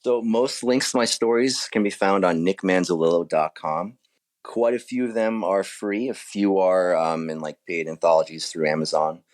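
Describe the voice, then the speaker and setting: A man's voice: deep voice, normal speed, dry recording. A man speaking informally and modestly as an author being interviewed in a casual chat.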